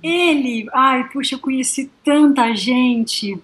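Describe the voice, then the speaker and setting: A woman's voice: sits high, slow. A woman from Brazil with a Brazilian Portuguese accent, cheerfully telling stories of her cycling trip in a casual interview. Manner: cheerful, enthusiastic storytelling. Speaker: touring cyclist guest.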